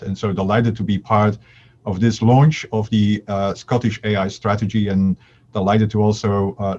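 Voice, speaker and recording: A man introducing himself on a panel, fluent with filler pauses, over a video call. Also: on the low side, a little mellow. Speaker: co-founder of a research lab. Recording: dull lo-fi video call audio.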